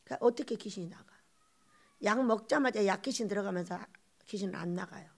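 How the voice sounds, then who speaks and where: A woman pastor giving an animated sermon, firing rhetorical questions and laughing asides. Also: mid-range voice, quick pace.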